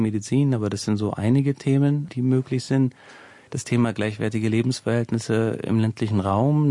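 A man, a sociologist, speaking as a studio interview guest, measured and explanatory, thinking aloud as he goes. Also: medium pitch, mellow, no echo. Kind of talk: expert radio interview.

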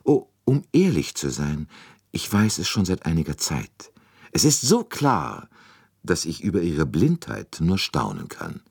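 A man's voice: wildly swooping pitch, a little slow, vocal fry, darkish tone, husky, exaggerated voice. A man voicing a fussy, shrewd older Belgian detective who speaks precisely and probes politely. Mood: confident. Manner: precise, politely probing, rising pitch.

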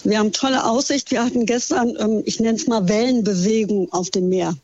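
A woman's voice: fairly high pitch, fairly even intonation, fairly quick, a little mellow, dry recording. A woman tour guide from Germany, calling in from a ship and talking in a friendly way with many fillers. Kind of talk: phone interview. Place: on a ship at sea. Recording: dull phone line.

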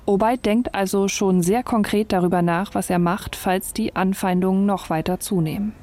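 A woman journalist narrating a documentary report in a calm, measured, scripted way. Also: mid-range voice. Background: faint music.

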